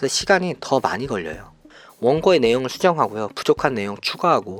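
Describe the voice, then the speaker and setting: A man speaks at a medium pitch, his voice swinging very widely up and down. Music plays in the background. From South Korea. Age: 40s. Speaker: indebted small business owner vlogger. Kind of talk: scripted vlog narration.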